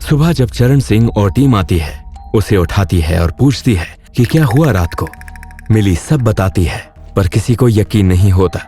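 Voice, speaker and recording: Man, low-pitched voice, story narrator, scripted horror tale, background music. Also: lively intonation, measured pace, warm tone.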